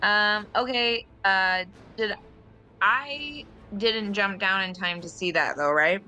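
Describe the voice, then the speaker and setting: Bright-voiced woman, tentative tabletop gamer. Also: medium pitch, slow, faint music behind. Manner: tentative, questioning. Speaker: player in a tabletop game. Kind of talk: casual game chat.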